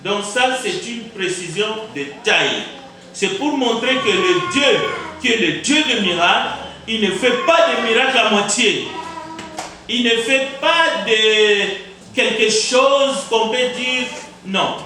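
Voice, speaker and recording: A man's voice: high-pitched, expressive, very echoey, recorded from a distance, poor audio. A man preaching a sermon as pastor, with Kizimba as his first language, emphatic and repeating words for effect. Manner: emphatic, repeats words, rhetorical questions, deliberate pauses. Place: church sanctuary.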